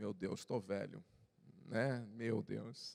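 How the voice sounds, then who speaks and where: Dry, close sound with no echo, with a slight Carioca accent. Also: man. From Rio de Janeiro, Brazil. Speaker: pastor. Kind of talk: sermon. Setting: stage with audience.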